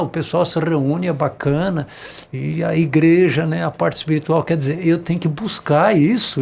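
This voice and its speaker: An earnest man who grew up in the Brazilian countryside talks reflectively on a panel. His voice sits a little high but carries a gravelly rasp. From rural Brazil. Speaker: panel guest. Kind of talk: casual panel conversation.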